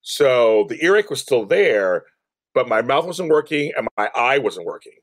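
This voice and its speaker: Animated man telling personal stories. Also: medium pitch, normal speed, no room sound. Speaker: podcast guest, media company CEO.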